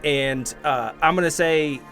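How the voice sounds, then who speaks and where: A man running a tabletop game in a casual, halting way, narrating and checking rules as he goes. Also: a little high, a bit bright. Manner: halting, unsure, learning the rules. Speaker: game master. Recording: music playing behind the voice. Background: music.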